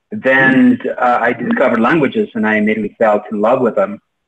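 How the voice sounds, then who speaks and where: A man at medium pitch with ordinary pitch variation and a moderate pace. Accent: Los Angeles. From Colombia, Medellín. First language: Spanish. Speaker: interpreter and translator. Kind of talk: video interview.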